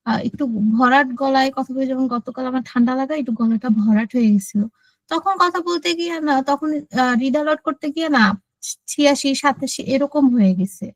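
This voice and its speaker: A woman student asks her question over a video call through her laptop mic. Her voice is high and the sound is dry and close. She explains at length and pauses now and then to find her words. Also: no room sound, low-quality recording. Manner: explaining in detail, searching for words.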